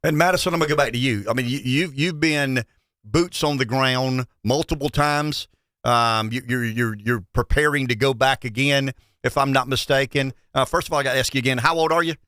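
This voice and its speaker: A Southern US-accented show host runs a folksy, conversational interview, repeating words as he works toward each question. His mid-range, slightly bright voice moves a little fast, and the studio recording is clean with no room sound.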